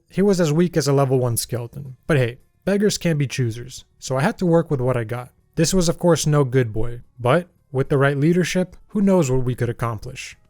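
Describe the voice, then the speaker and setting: A man's voice: fairly high pitch, darkish tone, no echo. A young man narrating his gameplay in a voice-over, with dry, self-deprecating humor. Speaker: gaming YouTuber narrating his playthrough.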